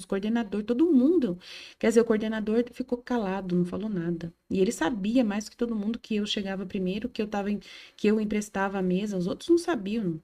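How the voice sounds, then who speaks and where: A woman's voice: medium pitch, dark tone. A woman from Brazil giving an emotional personal testimony, earnest and repetitive as she retells a hurtful meeting. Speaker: Catholic study host.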